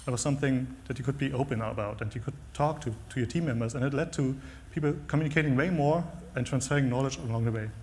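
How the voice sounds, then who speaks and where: This man speaks very fast with vocal fry and a German accent, his pitch varying in an ordinary way, and audible room echo around him. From Germany. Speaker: software developer, conference speaker. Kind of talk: conference talk. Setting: stage with audience. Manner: halting.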